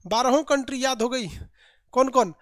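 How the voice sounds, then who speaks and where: A man teaching an online geography class, lively and colloquial, drilling names by repetition. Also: very high voice, moderate pace, dry recording, clean studio sound.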